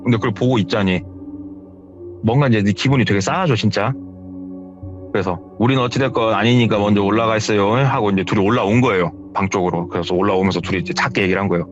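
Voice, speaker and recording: A man's voice: lowish voice, fast talker. A man retelling a listener's horror story, acting out the dialogue. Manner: animated, acts out dialogue. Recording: dull audio with background music.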